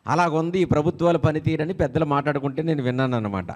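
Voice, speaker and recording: A pastor with a Telugu accent delivers an animated sermon. His voice sits a little high for a man. He swings between teaching and playful storytelling. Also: quick pace. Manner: animated preaching with jokes and acted-out quotes.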